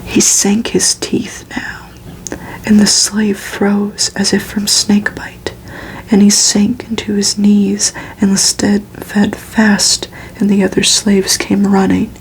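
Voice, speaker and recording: Female ASMR reader: whispered storybook narration, crackly fry, very even intonation, soft and breathy. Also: mid-range voice. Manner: slow, soft, unhurried delivery. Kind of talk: ASMR whispered novel reading.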